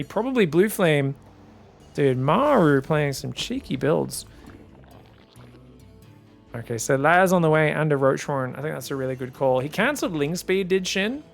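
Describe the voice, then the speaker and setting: A young man giving casual live esports commentary in an animated, informal way, talking straight to viewers. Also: on the high side, moderate pace, creaky, faint music behind.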